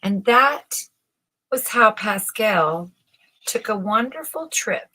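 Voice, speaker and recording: A woman reading a children's bedtime story aloud in a measured, dramatic storyteller's manner with emphatic phrasing. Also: medium pitch, lively intonation, bright, forceful tone, rough recording. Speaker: storybook reader.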